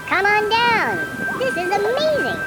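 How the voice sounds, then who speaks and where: An actor voicing an exuberant, easygoing expedition crew member with a breezy, animated manner in a fiction podcast. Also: very high-pitched, measured pace, over loud music, full character voice. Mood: excited. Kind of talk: fiction podcast character acting.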